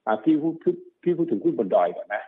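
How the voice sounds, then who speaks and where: Fast-talking raspy man on a phone line. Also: on the high side, expressive. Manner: fast, repetitive explaining, often checks understanding. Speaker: stock market analyst. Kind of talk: explaining market cycles in conversation. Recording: narrow phone-like sound.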